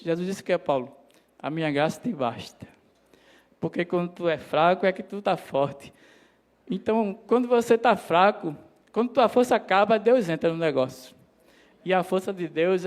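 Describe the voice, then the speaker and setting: A man preaching a sermon in a church, calling the listeners his brothers and voicing God's words in a lower tone. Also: a little mellow. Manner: addresses congregation as brothers, quotes God in a lowered voice.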